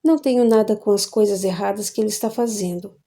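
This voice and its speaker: A woman's voice: medium pitch, quick pace, vocal fry, warm tone, close to an everyday voice. A woman reading an audiobook, voicing a worried older father who pleads earnestly for his son. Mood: pleading.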